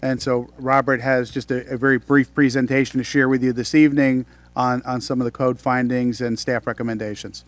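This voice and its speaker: A man speaking in a measured, accommodating way to a town council, setting up a staff presentation. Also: medium pitch, little pitch movement, dry recording. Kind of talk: council meeting remarks.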